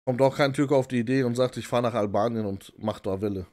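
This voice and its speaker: A man casually commenting on clips as a streamer, relaxed and slangy, often laughing. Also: mid-range voice, fast. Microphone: desktop condenser mic.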